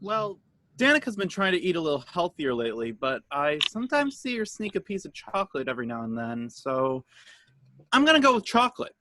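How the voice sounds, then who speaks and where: Man playing a high-voiced husband, noisy recording. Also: sing-song, brisk. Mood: agreeable. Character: agreeable husband game show contestant. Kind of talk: comedy sketch staged reading. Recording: clearly noisy background.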